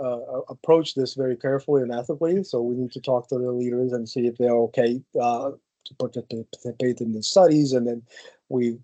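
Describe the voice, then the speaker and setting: Hesitant man, mellow voice. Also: mid-range voice, highs cut off. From Ukraine. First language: Ukrainian. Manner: thoughtful, with many hesitant fillers and restarts. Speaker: guest speaker, geneticist. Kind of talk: answering audience questions after a talk. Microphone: video call.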